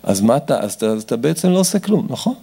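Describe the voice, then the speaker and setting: A man lectures an audience about family relationships, his voice gravelly and somewhat husky. He talks with wide swings in pitch and animated delivery, acting out dialogues as he goes.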